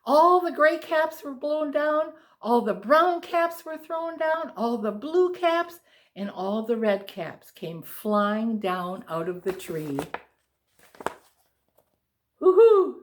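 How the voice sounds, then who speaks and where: Lady teacher reading a kids book out loud, highish voice, real slow and expressive. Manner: expressive, deliberate storytelling. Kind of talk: storybook read-aloud for young children.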